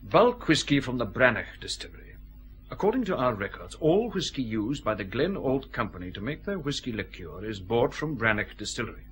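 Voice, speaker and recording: An actor playing a precise customs officer who patiently explains a lab analysis. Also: male voice, medium pitch, sing-song, a little fast, a bit bright. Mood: explaining. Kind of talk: radio drama acting.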